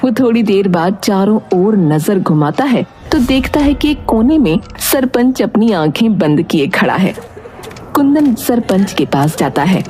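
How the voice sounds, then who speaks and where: A woman's voice: medium pitch, lively intonation, a little slow, warm tone. A woman reading scripted narration of a dramatic moral story. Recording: music under the voice. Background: music.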